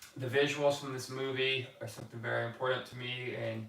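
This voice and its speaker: A man with an American accent mumbles amid noticeable background noise and audible room echo. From United States. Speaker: pro skateboarder. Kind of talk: casual livestream talk. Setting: live stream at home. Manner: mumbling; animated.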